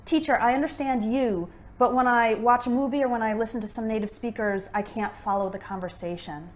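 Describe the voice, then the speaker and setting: Brief: young American woman, English teacher, relaxed friendly conversation, slightly high voice. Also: fairly quick. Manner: friendly, relaxed, asks questions. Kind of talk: casual conversation lesson.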